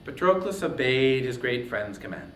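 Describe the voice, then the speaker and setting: A man giving a dramatic literary narration of epic poetry, theatrical, with phrases falling to a hush. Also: big pitch swings, moderate pace. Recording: roomy echo, faint rumbling noise.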